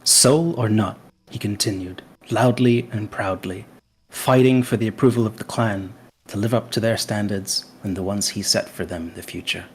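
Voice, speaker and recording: A man playing a tabletop game, telling an ominous story in character with a slow, dramatic delivery. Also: lowish voice, steady tone, darkish tone, slight background noise. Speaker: player.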